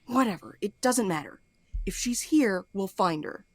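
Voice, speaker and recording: A woman's voice: mid-range voice, animated, moderate pace, no echo, natural voice. Woman playing a brash, impatient sleuth, dry recording. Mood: agitated. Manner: blunt, foul-mouthed, bossy. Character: Val, brash, impatient, snarky nonbinary amateur sleuth. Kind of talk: audio drama acting.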